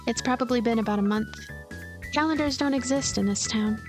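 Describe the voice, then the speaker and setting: Girl reading out a visual novel on a let's play, higher voice, music playing behind her. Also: fairly quick. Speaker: let's player reading game text aloud. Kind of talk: voiced story narration with casual commentary.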